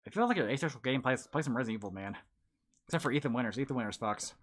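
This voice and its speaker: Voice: mid-range voice, expressive, racing. A stream host chatting casually, rambling and trailing off while reading game titles aloud. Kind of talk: casual chat.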